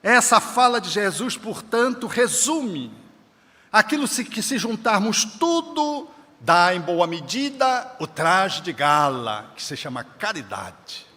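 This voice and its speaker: Speaking slowly in a high, sing-song voice with a sharp edge, a spiritist speaker delivers an emphatic lecture at an event in a large hall. His style is preacherly, and he quotes scripture.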